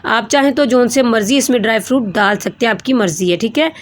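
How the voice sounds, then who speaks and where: Woman host with a Pakistani Urdu accent, home cooking tutorial, chatty and step by step, voice a bit high. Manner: chatty, explains step by step with fillers.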